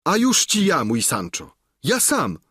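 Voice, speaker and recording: A man's voice: on the high side, wildly swooping pitch, unhurried, fairly bright tone, husky, no echo, studio quality, pitched above the performer's own voice, exaggerated voice. A man voicing a frantic male squire who shrieks his words urgently in an audiobook.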